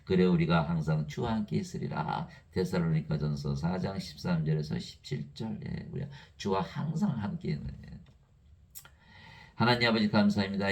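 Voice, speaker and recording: A man preaching a sermon in an emphatic, lively way, reading scripture aloud and laughing between points. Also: low-pitched, gravelly.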